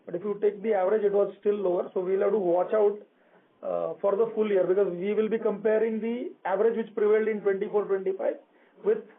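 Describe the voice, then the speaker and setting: A man with an Indian accent answering as a company executive on a conference call, explaining cautiously and haltingly. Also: high voice, flat delivery. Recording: thin narrow phone line.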